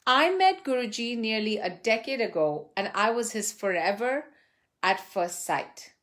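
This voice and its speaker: A woman reading a written devotional testimonial aloud in a reverent, measured way, phrase by phrase with pauses. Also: fairly high pitch, expressive, fairly bright tone.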